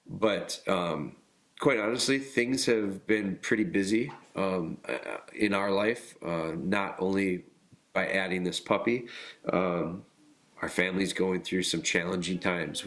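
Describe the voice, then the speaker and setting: A man hosting a podcast with a nasal, congested voice, talking casually and haltingly with frequent pauses and restarts. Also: deep voice. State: congested from illness. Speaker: podcast host.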